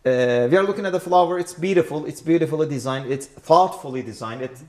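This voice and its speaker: A man's voice: a little high, fast talker, a little mellow. A man whose first language is Turkish, speaking English in a casual talk with short interjections and repeated words. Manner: brief interjections, repeated words, some dry humor. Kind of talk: casual explanatory dialogue.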